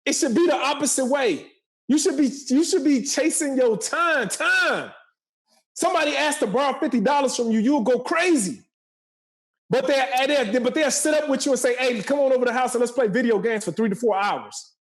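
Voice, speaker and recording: A man in his forties speaks in a strikingly high register. He delivers motivational talk with a preacherly drive, hammering key phrases by repeating them. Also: normal speed, poor audio. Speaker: podcast guest, motivational speaker and entrepreneur.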